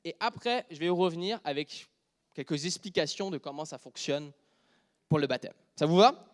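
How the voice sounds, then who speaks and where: A man with a Quebec French accent preaching a sermon, dropping to a near whisper and then joking loudly with the congregation. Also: on the high side, animated, normal speed. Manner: shifts from quiet intimate speech to loud joking with the congregation.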